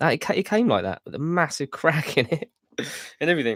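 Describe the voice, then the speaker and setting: On a very clean recording with a silent background and a dry, close sound with no echo, a man speaks with an English accent and lively intonation. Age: 60s. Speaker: guitar YouTuber. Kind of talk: live stream chat. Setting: live stream. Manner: casual. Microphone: not studio mic.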